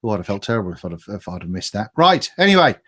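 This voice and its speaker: A man's voice: lowish voice, big pitch swings, racing, bright, forceful tone. A man with a British accent hosting a livestream in a chatty, casual, sweary way. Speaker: livestream host. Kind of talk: casual chat, reading viewer comments.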